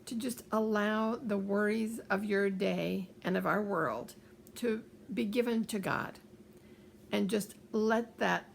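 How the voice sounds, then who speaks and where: Older woman, gravelly edge, gentle advice talk, faint hiss behind. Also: medium pitch, slow. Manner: gentle, repeats reassuring phrases. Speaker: author giving coping advice. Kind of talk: calm advice talk to camera.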